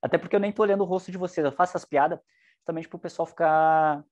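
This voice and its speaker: A man giving an online psychology lecture, lively and joking, with shifting intonation. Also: on the high side, fast talker, lo-fi sound.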